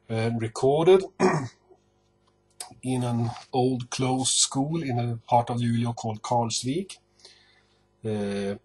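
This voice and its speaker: A man from northern Sweden with a Swedish accent, talking casually to camera about his record collection in an unhurried, hesitant way full of pauses. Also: medium pitch, darkish tone, slightly rough.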